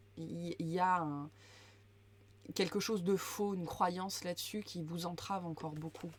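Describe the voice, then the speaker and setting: A woman talks at a fairly slow pace with long, frequent pauses. Her pitch is fairly low and her intonation fairly even. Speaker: tarot and oracle reader. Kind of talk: spiritual guidance reading. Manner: hesitant, many fillers.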